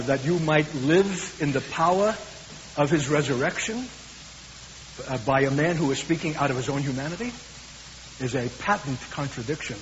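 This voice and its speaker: A man with a Brooklyn accent preaching a sermon, earnest and emphatic, slowing down for weighty lines. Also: on the high side. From USA. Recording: hissy, dull recording in a reverberant hall.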